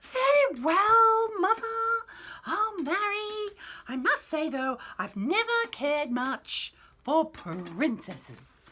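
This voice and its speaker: In a put-on character voice, a woman squeaks at an extremely high pitch with very wide pitch swings, speaking very slowly. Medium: read story.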